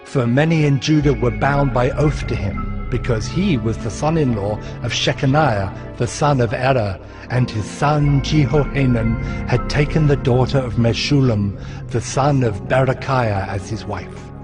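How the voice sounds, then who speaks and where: A man playing a steadfast, devout ancient governor, narrating his memoir of scripture in a solemn, measured way. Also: mid-range voice, close to an everyday voice. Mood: solemn, resolute. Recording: music behind the voice.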